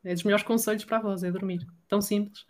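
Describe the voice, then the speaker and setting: A woman with a European Portuguese accent, a voice coach explaining techniques in an energetic, chatty podcast conversation. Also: medium pitch, quick pace. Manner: energetic, explanatory, acts out quoted dialogue. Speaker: voice coach guest. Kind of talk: casual podcast chat.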